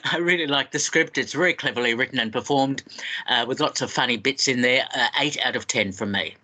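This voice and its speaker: A man's voice: mid-range voice, brisk, bright, forceful tone, rough recording. A man whose first language is German, an easygoing film critic on a casual panel, chuckling as he talks.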